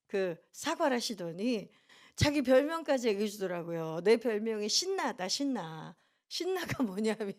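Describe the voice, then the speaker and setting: A woman's voice: on the high side, a little mellow. A middle-aged woman pastor preaching a sermon in a church, telling stories earnestly and acting out what people said. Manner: earnest storytelling with acted-out quotes.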